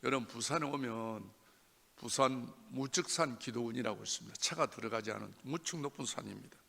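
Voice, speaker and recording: An older man, a church elder, giving an impassioned testimony sermon, his voice swinging between hushed near-whispers and loud cries. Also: mid-range voice, a little fast, gravelly, husky. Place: church sanctuary. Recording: long reverb of a church hall.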